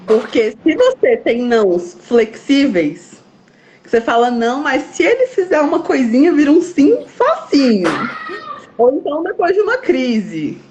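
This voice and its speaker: A woman's voice: high voice, sing-song, a little slow, darkish tone, a little hiss or hum. A Brazilian woman, a guest specialist, explaining step by step and acting out what parents and children say. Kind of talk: explanatory interview talk.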